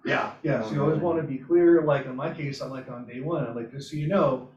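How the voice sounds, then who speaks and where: A man's voice: mid-range voice, a little fast, darkish tone, slight background noise. A man presents informally in a roomy space, picked up from away and slightly muffled. He tells his story in an anecdotal way, voicing his own reactions as he goes. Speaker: presenter at a robotics club meetup. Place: meeting room at a hybrid club meetup. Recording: echoey room, distant mic, muffled sound.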